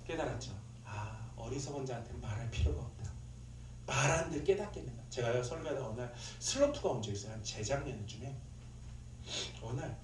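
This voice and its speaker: A male pastor preaching a sermon with lively delivery, often acting out scolding voices in his stories and laughing at himself. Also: mid-range voice, far from the mic. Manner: animated, acts out scolding in quoted lines, laughs at own stories. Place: church sanctuary. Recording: echoey room, speaker away from mic, faint noise.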